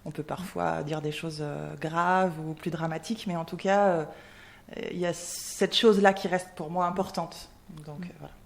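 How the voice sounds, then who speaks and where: A woman's voice: fairly low pitch, steady tone, moderate pace, vocal fry, slight background noise. A woman from Paris, a singer-songwriter, answering questions hesitantly in a radio interview, with many fillers. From Paris, France. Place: radio studio.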